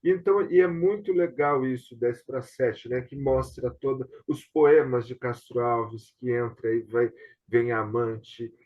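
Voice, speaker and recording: Man, Brazilian accent, muffled lo-fi call audio, conversational host, explanatory, seeks agreement, mid-pitched. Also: unhurried. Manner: explanatory, often seeking agreement with tag questions. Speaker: host and theatre director. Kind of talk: casual online discussion. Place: at home, on a video call. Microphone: video call. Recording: dull, lo-fi video-call audio.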